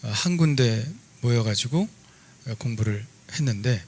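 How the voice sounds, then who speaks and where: A middle-aged man, a pastor, preaching a sermon in a relaxed, conversational storytelling way with lively asides. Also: medium pitch, normal speed.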